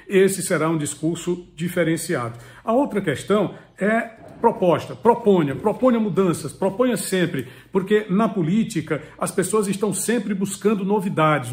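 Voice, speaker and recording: Earnest high-voiced man. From Piauí, Brazil. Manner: earnest, didactic, repeats key words for emphasis. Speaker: political commentator and channel host. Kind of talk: direct-to-camera advice talk. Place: home study with full bookshelves. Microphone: webcam or phone close up, head and shoulders.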